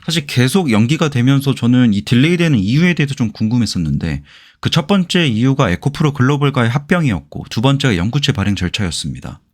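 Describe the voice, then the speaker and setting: A man's voice: medium pitch, sing-song, quick pace. A man giving explanatory commentary in an informal way, as the host of an investment channel. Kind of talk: explanatory commentary on company earnings.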